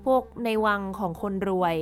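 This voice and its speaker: A woman in her twenties hosting a casual podcast chat, telling stories in an animated way. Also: moderate pace, faint music behind. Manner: animated storytelling. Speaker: podcast host.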